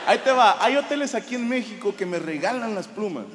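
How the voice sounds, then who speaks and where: A Mexican man with a Mexican Spanish accent, doing profane, animated stand-up storytelling on a live comedy stage. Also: sits high, fairly quick. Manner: profane, animated, bursts into shouted punchlines. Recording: live hall reverb with audience noise.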